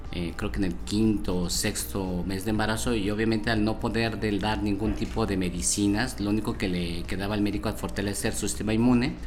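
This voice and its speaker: There is audible room echo around this man's fairly low-pitched voice. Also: lively intonation, fairly quick pace, hardly any pauses. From Mexico. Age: 50s. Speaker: business consultant and speaker. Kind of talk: interview.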